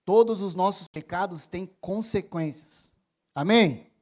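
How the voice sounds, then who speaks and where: Brazilian man, thirties, pastor, sermon, raised voice, personal storytelling, quiet confessions to emphatic preaching. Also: sits high, measured pace. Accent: Brazilian Portuguese.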